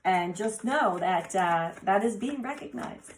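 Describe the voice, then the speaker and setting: A woman whose voice is raspy from laryngitis, doing an oracle card reading for viewers and exclaiming eagerly over the cards in a soft, meandering way. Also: medium pitch, animated, unhurried, slight background noise. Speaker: card reader.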